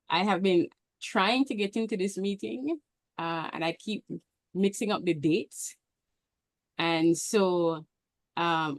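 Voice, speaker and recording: A woman from Belize speaks earnestly over a video call, often restarting her sentences as she gathers her thoughts. The sound is close and dry, with no room around it. Her pitch sits in an ordinary middle range. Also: no room sound. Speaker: meeting guest. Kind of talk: casual online meeting comments.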